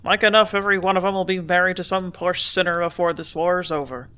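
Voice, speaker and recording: Woman voicing a gruff old grain dealer. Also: fairly low pitch, steady tone, fast, bright, forceful tone. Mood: confiding. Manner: gruff, homely country speech. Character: gruff older male grain dealer, folksy and blunt.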